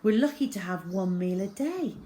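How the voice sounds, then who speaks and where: A woman reading a children's book aloud as an expressive storyteller, with measured, dramatic phrasing. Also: mid-range voice. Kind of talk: expressive storytelling, scripted narration. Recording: clear background noise.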